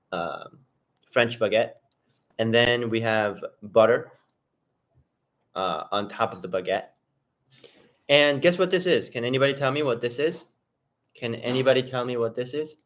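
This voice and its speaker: A man's voice: mid-range voice, expressive, measured pace, long pauses. A man hosting a casual live stream, talking loosely to viewers in the chat while he eats. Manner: loose, rambling, talks straight to viewers in chat. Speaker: livestream host.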